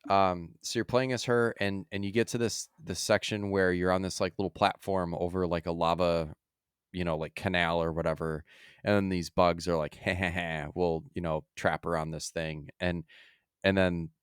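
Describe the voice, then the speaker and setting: A man's voice: deep voice, fairly even intonation, normal speed, clean tone, no room sound, clean studio sound. A man co-hosting a podcast, casually discussing video games in a rambling way that often drifts from his thread. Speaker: podcast co-host.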